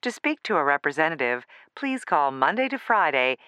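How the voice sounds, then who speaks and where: A woman reading a scripted automated phone menu in a formal, clearly enunciated customer service manner. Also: low voice, very animated, moderate pace, sharp tone, dry recording, studio quality.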